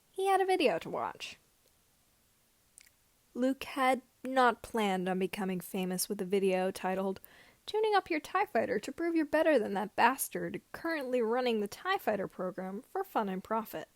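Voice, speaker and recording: A woman narrating fan fiction like an audiobook, with slightly halting phrasing. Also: fairly high pitch, dry recording. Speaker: podfic reader.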